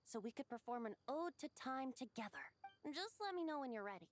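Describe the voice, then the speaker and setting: Young boyish wind spirit bard for a game, high n lilting, gentle, playful, music playing behind. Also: female voice, expressive, brisk, no room sound. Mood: friendly, inviting. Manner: lilting, theatrical, politely poetic. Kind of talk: game character dialogue.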